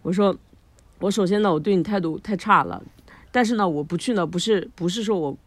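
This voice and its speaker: A woman co-hosting a podcast, telling a long personal story in a lively way, laughing often and using lots of fillers. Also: lowish voice, brisk, dry recording. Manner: animated, frequent laughter, many fillers. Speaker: podcast co-host. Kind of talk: casual storytelling chat.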